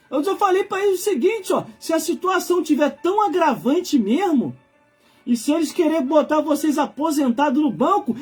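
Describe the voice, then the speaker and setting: Brazilian male livestream preacher, 40s, high-pitched, colloquial and insistent delivery over music. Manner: emphatic, colloquial, repeats phrases for effect. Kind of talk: informal live sermon.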